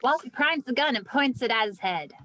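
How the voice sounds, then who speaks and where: A woman's voice: a little high, expressive, fairly quick, pushed and bright. A woman narrating the stage directions of a script at a table read.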